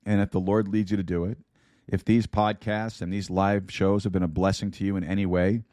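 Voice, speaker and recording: A man hosting a sermon podcast, hoarse and raspy from losing his voice, talking to listeners in a folksy way with many fillers. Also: low voice, little pitch movement, brisk, mellow, no echo, studio quality. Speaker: podcast host and Bible teacher. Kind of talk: casual sermon-podcast talk.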